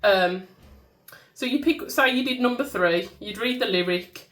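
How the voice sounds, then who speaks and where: With a measured pace and fairly bright medium-pitched voice, a woman from the Black Country, England, chats while stuffed up with a cold. She presents products she made for her small business, casual and self-mocking, now and then singing.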